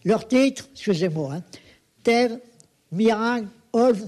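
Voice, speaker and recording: A man's voice: sits high, lively intonation, takes it slowly, darkish tone. A man presenting a song on a community radio show in a cheerful, stumbling way. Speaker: music presenter.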